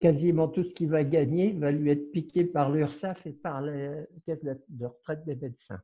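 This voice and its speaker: A man speaks with a fairly high pitch and a somewhat breathy sound. His pace is fairly slow. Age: 80s+. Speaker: doctor. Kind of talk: interview.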